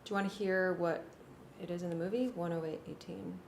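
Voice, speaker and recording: A woman's voice: lowish voice, steady tone, a little fast, vocal fry. A woman talking casually while working as a music arranger. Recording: echoey room, faint background noise.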